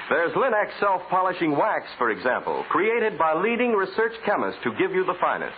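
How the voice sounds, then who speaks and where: A man's voice: fairly high pitch, narrow, tinny audio. A man working as a 1940s radio announcer, reading scripted narration and sponsor copy in a dramatic, polished delivery. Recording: thin, hissy 1940s radio recording.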